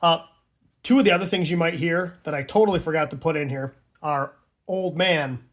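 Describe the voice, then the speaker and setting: Male tutorial presenter, noticeably high pitch, informal and conversational, explaining step by step with casual asides. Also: normal speed, noisy background. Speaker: amateur radio instructor and operator.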